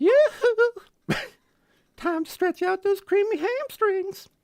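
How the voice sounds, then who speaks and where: Over music in the background, a put-on character voice at an extremely high pitch speaks at a very slow pace. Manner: sing-song, playful.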